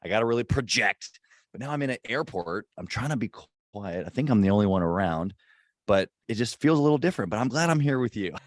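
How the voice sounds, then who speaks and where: A man hosting a podcast, talking in a hyped, emphatic way with his deep voice, recording from an airport. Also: lively intonation, fast talker, dry recording, clean studio sound. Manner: hyped, emphatic, speaks with swings in loudness. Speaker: podcast host. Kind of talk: energetic podcast interview.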